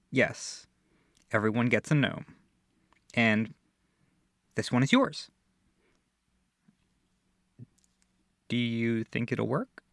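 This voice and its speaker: A man playing a gentle, affectionate boyfriend in an intimate ASMR comfort roleplay, speaking softly, tenderly and reassuringly. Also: medium pitch, creaky, no room sound, studio quality. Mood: gently earnest. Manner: soft, tender, unhurried, reassuring.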